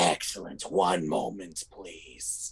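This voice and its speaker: A man puts on a raspy character voice. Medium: actual play. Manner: courteous, formal phone manner.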